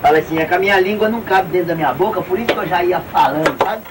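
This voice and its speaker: A man's voice: high voice, racing, noisy background. An older man chatting casually outdoors, recorded by a camcorder on old worn tape. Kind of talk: casual rambling chat. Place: outdoors by a wooden farmhouse. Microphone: camcorder some distance away. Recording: old worn tape, distant, people around.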